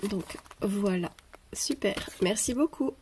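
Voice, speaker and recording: A woman with a cold chats through a home unboxing video, her voice stuffy and her speech hesitant and full of fillers. Clicks and crinkling wrapping paper are clearly audible on the recording. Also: medium pitch, noisy background. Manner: hesitant, many pauses and "euh" fillers. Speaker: craft vlogger. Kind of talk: casual unboxing chat. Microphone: camera over a tabletop, speaker off-frame.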